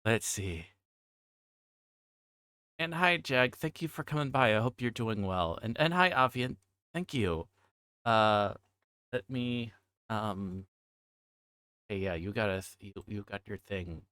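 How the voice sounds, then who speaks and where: A man livestreaming in casual chat, with a halting, repetitive and scattered way of talking. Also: on the low side, lively intonation, pushed and bright, smooth, dry recording, clean studio sound.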